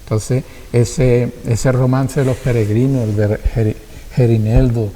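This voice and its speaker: A man with an Andalusian accent, a guest speaking thoughtfully and haltingly, often repeating words. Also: medium pitch, level tone, mellow, long reverb tail, slight background noise. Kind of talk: reflective conversation.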